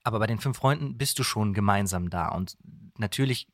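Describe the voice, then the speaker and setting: A male podcast guest with a slightly deep voice, talking in an easygoing, agreeable way. He explains his trade casually, recorded very dry and close. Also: fairly quick, dry recording. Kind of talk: casual explanatory interview chat.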